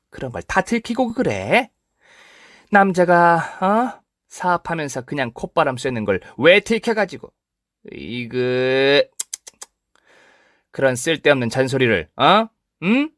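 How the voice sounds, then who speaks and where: A man's voice: medium pitch, sing-song, a little slow, long pauses, a bit bright, dry recording, clean studio sound, pitched above the performer's own voice. A man voicing a two-faced older mother-in-law who wheedles and sighs in a dialect-tinged drawl. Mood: scolding.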